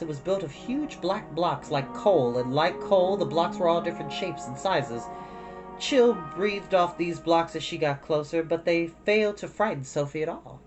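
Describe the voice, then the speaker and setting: This storytime host has a slightly high voice, and the audio quality is poor. Background music plays as he chats in a relaxed way and reads aloud from a storybook expressively.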